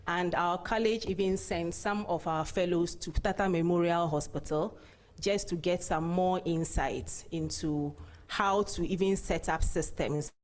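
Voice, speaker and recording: A woman's voice: on the low side, darkish tone. A woman with a Ghanaian accent giving a testimony at a medical conference. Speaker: pediatric oncology doctor giving a testimony.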